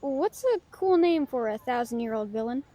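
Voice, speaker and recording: A woman's voice: on the high side, expressive, normal speed, warm tone. A woman playing a playful, self-doubting young novelist, chatty and teasing, in an intimate audio roleplay addressed to a friend. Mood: musing, casual.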